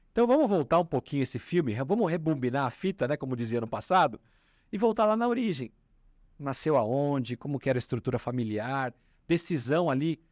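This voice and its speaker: A man's voice: medium pitch, no room sound, clean studio sound. A man hosting an interview, plugging the program and asking his guest about her origins. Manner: lively, promotional, asks leading questions. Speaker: host.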